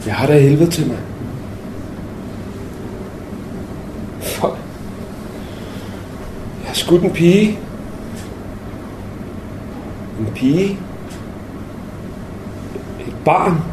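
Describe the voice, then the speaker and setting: A man's voice: sits high, darkish tone. A young man acting a brash, shaken male soldier in a theatrical monologue, coarse and restless, in a roomy space with faint noise.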